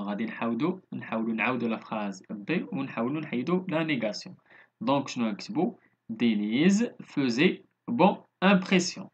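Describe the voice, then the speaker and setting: A man with a Moroccan accent teaching a recorded grammar lesson as a primary school teacher. He reads the textbook exercises slowly and explains them in quick asides. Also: mid-range voice, a bit bright, breathy edge, muffled recording.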